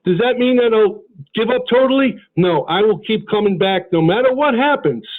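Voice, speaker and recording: A man's voice: high-pitched, lively intonation, moderate pace. A man giving a motivational sales talk, telling stories earnestly and acting out the dialogue. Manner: earnest storytelling, acts out dialogue. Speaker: insurance sales mentor. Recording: tinny phone-like line.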